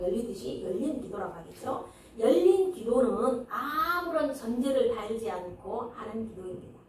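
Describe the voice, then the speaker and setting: A woman pastor with a high voice preaches in a conversational way, asking the congregation questions and acting out little quotes. Her voice carries through a very echoey church hall, picked up from some distance by the mic. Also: darkish tone, slight background noise. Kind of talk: sermon. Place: church sanctuary.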